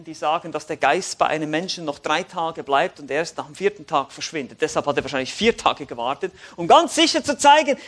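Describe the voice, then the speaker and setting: A man preaches and reads Scripture, his voice sitting high for a man. He drops into soft, reflective passages and then rises into loud, emphatic appeals to his listeners. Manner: animated, swings between quiet reflection and raised emphatic lines. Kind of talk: sermon with Bible reading.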